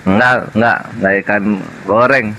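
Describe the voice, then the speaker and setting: A man's voice: lowish voice, steady tone, moderate pace, noisy background. A man debating casually online, mocking and sarcastic in tone.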